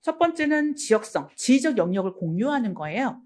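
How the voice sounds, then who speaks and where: A woman's voice: on the high side, a little fast. Chatty middle-aged woman lecturer. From Gangwon Province, South Korea. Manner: chatty, anecdotal, lively lecturing. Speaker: nursing exam lecturer. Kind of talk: online exam-prep lecture. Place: lecture studio.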